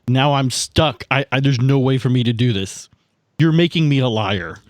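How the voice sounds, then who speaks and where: This man talks as a tabletop game player, casual and repetitive as he thinks out loud. His voice is mid-pitched and the recording is dry and close. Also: normal speed, no echo. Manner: repeats himself, thinking aloud. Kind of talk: casual chat during a roleplaying game.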